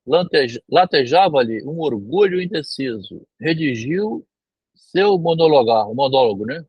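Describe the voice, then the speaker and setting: A fairly high, husky Brazilian Portuguese male voice, heard dry and close. He works through a literary passage like a lecturer, reading a line, repeating it, then explaining it in plain words with a checking tag. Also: no room sound, lo-fi sound. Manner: rereads phrases and paraphrases them, often tagging "né?".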